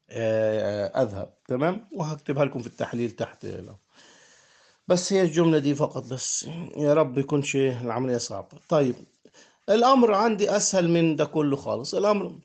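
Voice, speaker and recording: A man with an Egyptian Arabic accent, his voice sitting a little high, teaches a grammar lesson. He walks his students through each verb form, repeats the forms slowly and often stops to check that they follow. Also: vocal fry, a little mellow. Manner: explaining step by step, repeating forms, checking with "تمام؟".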